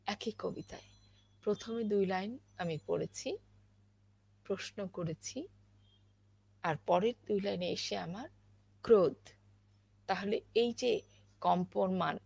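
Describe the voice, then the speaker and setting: Woman teaching poetry recitation, slow and halting, gravelly voice. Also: medium pitch, darkish tone, no echo. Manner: slow, halting explanation with many fillers. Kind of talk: spoken lesson on poetry recitation.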